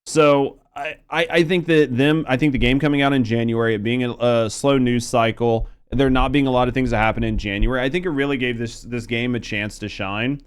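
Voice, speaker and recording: A man with a clear, smooth voice at an average pitch. He gives casual reaction commentary as a video host, thinking aloud in a conversational way and often restarting his phrases. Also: steady tone, fairly quick, few pauses.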